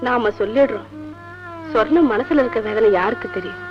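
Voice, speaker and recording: A village neighbor woman , played by an actress, with a high voice, soothing and advising. Old film soundtrack with loud music under her lines. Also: brisk, dull audio, natural voice. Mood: consoling. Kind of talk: 1970s film drama dialogue.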